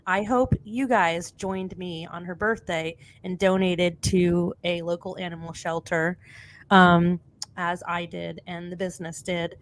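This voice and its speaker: A woman's voice: on the low side, fairly even intonation, measured pace. A woman hosting a podcast in casual chat, blunt and sweary, sounding sniffly with a cold. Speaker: podcast host.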